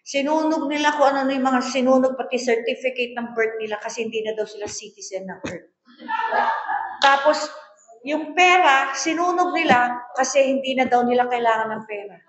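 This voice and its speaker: A woman's voice: sits high, moderate pace, a bit bright, a little hiss or hum. A woman pastor preaching a sermon, switching between languages and telling stories with voiced quotes. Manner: mixes Tagalog and English, tells stories and acts out quoted voices. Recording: echoey room, dull lo-fi sound.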